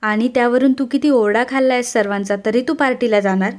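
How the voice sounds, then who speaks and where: A dutiful young woman, worried and earnest, urging her sister to listen to the elders, as a woman narrator reads her part. The voice is fairly high and pleading, read in a serial recap. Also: fairly even intonation, fairly quick, natural voice.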